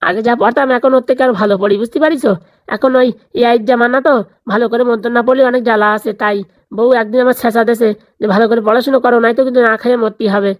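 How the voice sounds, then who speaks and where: A woman's voice: a little high, fairly even intonation, very fast, close to an everyday voice. A woman voicing a chatty, boastful old village priest in a comedy cartoon, with a folksy, inquisitive manner.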